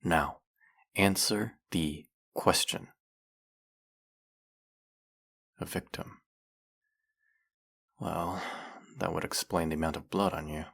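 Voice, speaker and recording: A man playing a centuries-old, brooding vampire hunter in an audio roleplay, questioning with measured, wry menace. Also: low voice, creaky, slightly rough, heavily acted. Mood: suspicious, demanding, then wry, restrained. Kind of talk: dramatic audio roleplay, addressing the listener.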